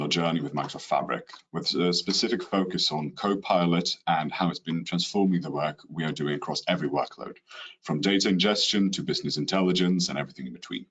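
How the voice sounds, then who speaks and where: A man with a Swedish accent from Sweden gives a rehearsed business webinar presentation over a call, dropping in the odd "you know". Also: low-pitched. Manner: steady, rehearsed delivery with occasional "you know" fillers. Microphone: computer mic on a video call.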